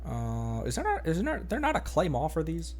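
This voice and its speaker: A man streaming a game, chatting casually in a rambling, halting way that often interrupts itself. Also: fairly high pitch, wildly swooping pitch. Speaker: game livestreamer. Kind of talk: casual gaming chat. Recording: music playing behind the voice.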